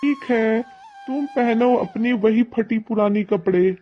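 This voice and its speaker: A man voicing a spoiled, arrogant rich young girl who mocks others in a boastful tone, in an animated storybook. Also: extremely high pitch, slow. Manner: mocking, boastful. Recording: dull lo-fi audio, faint music.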